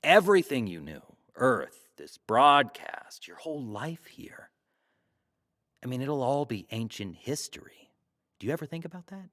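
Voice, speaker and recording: An actor playing a glib, teasing talk show host in a sci-fi audio drama, wry, theatrical and probing. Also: male voice, medium pitch, very animated, a little slow, fairly bright tone. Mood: earnest.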